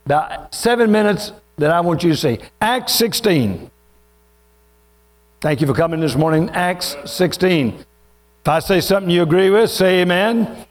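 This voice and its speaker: A man's voice: high voice, lively intonation, normal speed. A man preaching a sermon as pastor, folksy and joking, drawing out the scripture.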